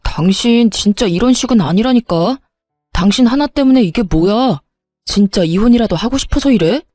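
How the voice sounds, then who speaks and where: A woman voicing a young husband who begs, then shouts and threatens, in a narrated story. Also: fairly high pitch, lively intonation, moderate pace, dry recording, soft background music. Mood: angry. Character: pleading, hot-tempered young husband. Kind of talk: storybook narration with acted dialogue.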